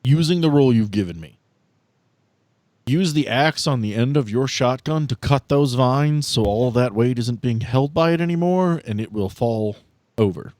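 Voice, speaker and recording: A man acting as game master, narrating a tabletop role-playing game in descriptive, deliberate detail. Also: medium pitch, lively intonation, a little mellow, no room sound.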